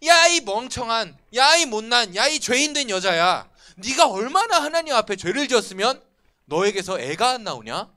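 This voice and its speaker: A man preaching puts on the voice of a cruel, jealous rival wife who jeers loudly at another woman. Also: very high-pitched, sing-song, normal speed, pitched above the performer's own voice, full character voice. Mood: mocking. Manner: loud taunting shouts.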